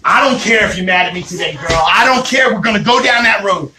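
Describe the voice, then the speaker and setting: A man doing a loud, boisterous comedic sales pitch as a mock shopping channel host. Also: fast, a crowd in the background. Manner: loud, boisterous, hyped, shouting. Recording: echoey room with loud background noise.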